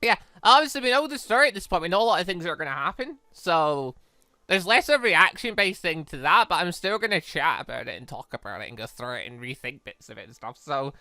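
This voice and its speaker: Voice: mid-range voice, lively intonation, fast talker, sharp tone, no echo. A gaming YouTuber giving casual, rambling let's play commentary in a chatty way.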